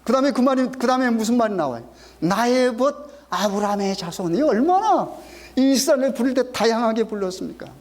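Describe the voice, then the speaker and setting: In a church sanctuary, a middle-aged pastor delivers a sermon in a very high, slightly mellow voice with lively intonation and a fairly quick pace. Emphatic and repetitive, he keeps firing questions at the congregation, call-and-response fashion.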